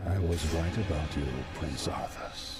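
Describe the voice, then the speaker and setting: An actor playing the smug, eerie ghost of a dead necromancer in a video game, grand and ominous. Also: male voice, very deep voice, fairly even intonation, unhurried. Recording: loud game music behind voice.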